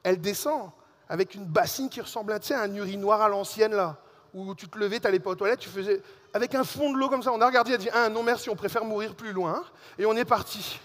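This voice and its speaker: A man preaching a sermon as a pastor, telling a personal story in a lively way and speaking directly to the congregation. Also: high voice, fast talker, in a large hall. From Alsace and Réunion. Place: church hall.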